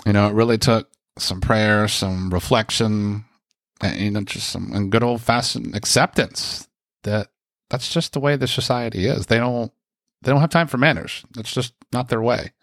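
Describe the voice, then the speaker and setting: A man from the States tells a story in a loose, chatty way, full of fillers and side tangents. His voice sits fairly low. The recording is dry and close, with almost no room sound. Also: normal speed, a bit bright, no room sound. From United States. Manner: rambling, chatty, lots of fillers and asides. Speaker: speaker sharing a personal story. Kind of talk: casual storytelling.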